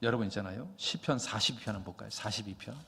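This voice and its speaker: A man preaching a Sunday sermon, swinging from quiet reading to loud, impassioned exhortation. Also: fairly low pitch, very fast, vocal fry, breathy edge. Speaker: pastor. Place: church sanctuary. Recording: long church reverb.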